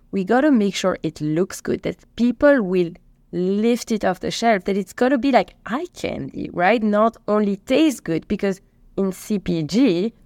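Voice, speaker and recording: A woman's voice: medium pitch, darkish tone, dry recording, studio quality. A woman from Belgium with a Belgian accent, telling stories casually as an interview guest and acting out quoted dialogue. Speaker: company co-founder and CEO, podcast guest.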